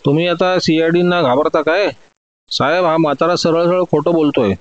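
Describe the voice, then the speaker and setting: A man's voice: fairly high pitch, expressive, brisk, dry recording, highs cut off, pitched above the performer's own voice, close to an everyday voice. A man voicing a brash young male diamond broker who lies and flares up defensively. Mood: angry. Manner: loud, defensive outbursts.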